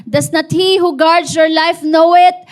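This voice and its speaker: High-voiced Filipina woman preaching. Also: measured pace. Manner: animated storytelling with call-and-response. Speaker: pastor. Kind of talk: sermon.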